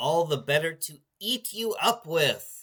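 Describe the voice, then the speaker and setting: This put-on character voice growls at a middle pitch. It moves at a fairly slow pace. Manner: growling, menacing.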